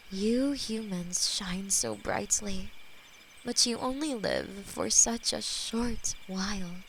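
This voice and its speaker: A woman voicing a centuries-old female demon who keeps a human as her pet, speaking slowly and intimately with a possessive edge. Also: mid-range voice, slight background noise, rough recording. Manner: slow, intimate, possessive, softly spoken. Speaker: voice actor in audio roleplay. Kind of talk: scripted audio roleplay.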